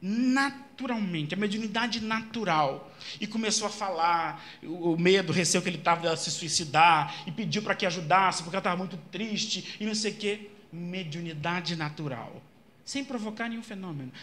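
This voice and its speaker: A man giving an animated storytelling lecture at a Spiritist center, shouting out the cries he retells. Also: high-pitched.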